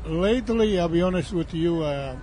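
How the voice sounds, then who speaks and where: Older man, broken english, higher-pitched voice, street noise. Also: expressive, normal speed, warm tone. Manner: broken English, emphatic explaining. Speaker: guest, home winemaker. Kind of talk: casual chat. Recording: noisy outdoor recording.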